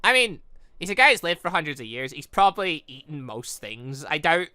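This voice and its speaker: A man's voice: on the high side, big pitch swings, fairly quick, bright, forceful tone, clean tone, no room sound, studio quality. A British man giving casual, rambling let's-play commentary on a visual novel, stumbling over words and correcting himself as he goes. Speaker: gaming video host.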